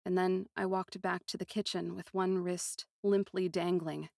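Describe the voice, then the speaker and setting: Female narrator for fantasy fiction: slightly low register, expressive literary delivery, dry studio-like sound. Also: unhurried, creaky, no echo. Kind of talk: first-person dramatised story narration.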